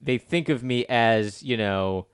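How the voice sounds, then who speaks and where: A man's voice: medium pitch, slow pace, clean tone, no room sound, studio quality. A man chatting casually and teasingly, often hesitant and stammering into restarts as he talks.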